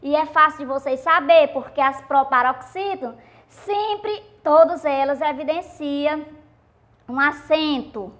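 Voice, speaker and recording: A woman's voice: high voice, unhurried. A woman teacher with a Brazilian Portuguese accent giving a recorded video lesson, explaining patiently and drawing out the stressed syllables of example words. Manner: patient, repetitive explaining to students.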